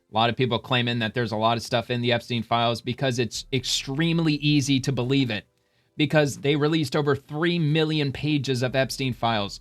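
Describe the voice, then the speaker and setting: A man speaks at medium pitch with ordinary pitch variation while music plays in the background. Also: fairly quick pace. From not Britain. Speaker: political commentary streamer. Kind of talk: casual commentary reading online posts. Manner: casual, with fillers.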